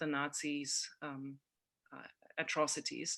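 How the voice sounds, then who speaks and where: A woman with a German accent, a bright, sharp tone and a quiet background. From Germany. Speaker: illustrator and author. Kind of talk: presentation. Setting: online symposium. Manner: hesitant, many fillers.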